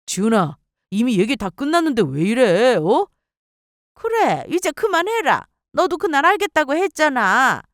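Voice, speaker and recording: A woman voicing a scolding older mother-in-law with a shrill, nagging way of talking. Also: very animated, unhurried, no room sound, clean studio sound.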